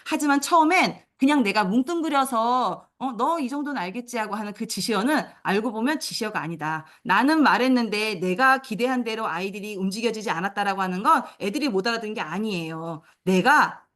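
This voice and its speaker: A woman training teachers in a lecture, animated, acting out classroom commands in a high sing-song voice. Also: brisk, few pauses.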